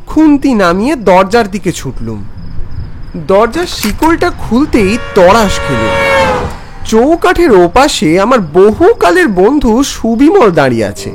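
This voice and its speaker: A man playing a concerned, skeptical friend who narrates a ghost story with expressive, questioning delivery. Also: very high voice, unhurried, full character voice. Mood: narrating, uneasy. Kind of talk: dramatic scripted Bengali audio story narration. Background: background music.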